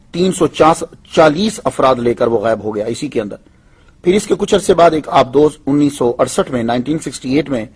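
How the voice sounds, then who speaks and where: A man's voice: fairly high pitch, breathy edge. Man preaching down a phone line. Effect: heard over a phone line into a radio show. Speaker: Islamic scholar phoning in as radio guest. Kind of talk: religious lecture over a radio phone line.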